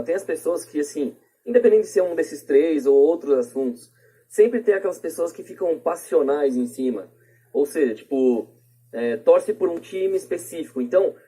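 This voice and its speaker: Brazilian man, higher-pitched but mellow and husky, casual colloquial podcast talker. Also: low-quality recording. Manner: colloquial, seeks agreement with tag questions. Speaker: podcast speaker.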